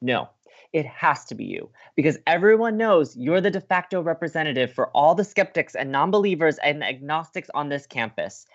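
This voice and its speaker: An actor playing an earnest, dreamy and determined young college radio co-host in an audio drama. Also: male voice, on the high side, sing-song, moderate pace, lo-fi sound. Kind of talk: naturalistic audio drama acting.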